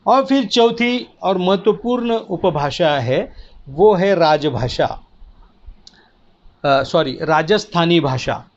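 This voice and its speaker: Male teacher, lecture, dull lo-fi sound. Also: high-pitched. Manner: explanatory, repeats key words, asks "है ना". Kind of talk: spoken lecture.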